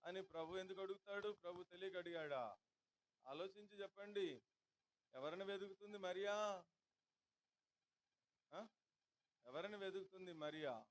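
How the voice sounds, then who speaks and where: A man's voice: sits high, moderate pace, pauses often, poor audio. Telugu-speaking pastor questioning his congregation. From India. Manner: asks the congregation repeated rhetorical questions. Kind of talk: sermon. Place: church hall.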